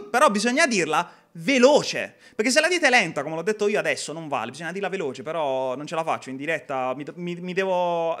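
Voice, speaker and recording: Lively chatty streamer guy. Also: sits high. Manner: chatty, reads viewer comments aloud, jokey. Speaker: game streamer. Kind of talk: live gameplay stream chat.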